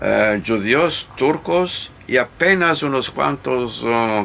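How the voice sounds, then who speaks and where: A man speaks with a French accent in a medium pitch. His bright, sharp tone moves through very wide pitch swings. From Izmir, Turkey. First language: French (speaking Spanish). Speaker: Ladino speaker interviewee. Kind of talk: interview.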